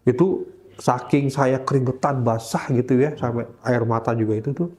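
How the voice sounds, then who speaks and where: A man recounting his childhood conversion in casual conversation, animated and often pausing to search for words. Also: medium pitch. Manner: animated, acts out the voices of people in his story; searches for words with frequent fillers. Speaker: interview guest recounting a religious conversion.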